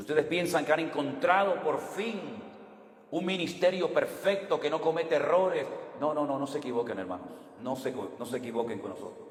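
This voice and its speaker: At a fairly quick pace, a man with a fairly high pitch and lively intonation speaks amid noticeable background noise and audible room echo. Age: 60s. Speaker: pastor. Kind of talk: sermon.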